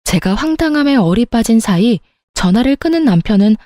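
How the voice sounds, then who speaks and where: A woman's voice: a little high, animated, brisk, mellow, dry recording, studio quality. A woman narrating a first-person story in an exasperated, confiding manner.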